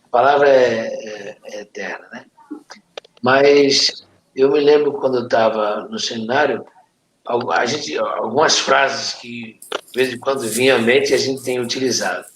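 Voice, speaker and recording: A Brazilian-accented man shares memories in a casual, halting chat, at an average pitch. The room echoes and there is faint background noise. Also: fairly bright tone. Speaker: participant in a church friends' live chat. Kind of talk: casual reminiscing.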